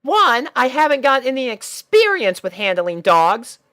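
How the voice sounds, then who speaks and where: A man's voice: extremely high pitch, very animated, a little slow, pushed and bright, voice pushed up, exaggerated voice. A man voicing a fretful, bookish young female cartoon pony, earnest, fussy and easily exasperated.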